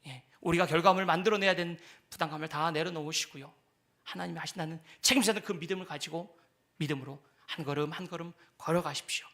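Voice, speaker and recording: Male pastor, sermon delivery, high and bright, acts out quoted lines, sinks to breathy whispers. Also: fast talker. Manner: acts out quoted voices of God and believers, swinging loud and soft; drops to a breathy near-whisper at the ends of points.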